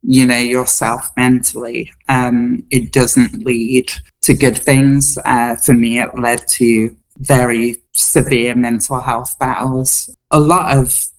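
Female interview guest, unhurried pace, earnest, reflective, conversational. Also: very deep voice, flat delivery, rough recording. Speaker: interview guest, comedy performer.

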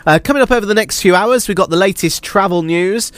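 A British man hosts a casual live radio show from a studio, his voice high-pitched, quick and fairly bright. He has a cold, so he sounds nasal and blocked up, as if his nose were pinched. There's no room sound.

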